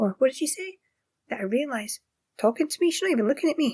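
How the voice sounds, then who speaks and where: The woman's lively intonation comes through a dry, close sound with no echo. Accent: Scottish. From Scottish Highlands. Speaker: podcast host. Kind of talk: podcast rant monologue. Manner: animated, exasperated.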